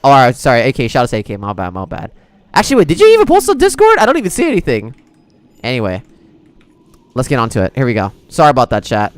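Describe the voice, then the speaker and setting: A man's voice: mid-range voice, wildly swooping pitch, fast, clean tone. A man livestreaming a video game in casual, slangy, chummy chat with his viewers. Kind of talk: casual gameplay stream chat. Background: game music.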